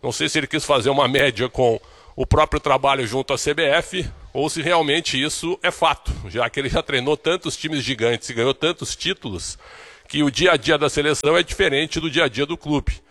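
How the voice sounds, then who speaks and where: A man giving a steady, informative sports report as correspondent for a radio show. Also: on the high side, fairly quick.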